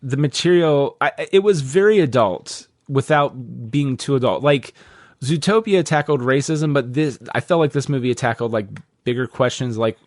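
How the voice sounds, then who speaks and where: A man's voice: mid-range voice, normal speed, dry recording. Rambling man on a podcast, dry sound. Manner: rambling, peppered with "like" and swearing. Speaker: podcast host. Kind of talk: casual podcast chat.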